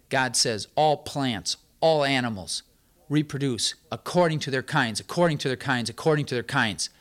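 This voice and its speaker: A man's voice: medium pitch, fairly bright tone. A man giving an emphatic sermon, stressing points through repetition as a Bible teacher.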